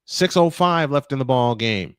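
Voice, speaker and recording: A man calling a football game play-by-play, steady between downs and surging with excitement on big plays, sometimes correcting himself mid-call. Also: medium pitch, normal speed, smooth, no room sound. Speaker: play-by-play announcer. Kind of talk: play-by-play commentary.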